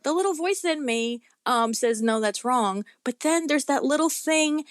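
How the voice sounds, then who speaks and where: Higher-voiced woman, talkative and earnest. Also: expressive, measured pace, dry recording, studio quality. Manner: talkative, rambling, earnest, often says "you know" and "like". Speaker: interviewed guest author. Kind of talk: casual interview conversation.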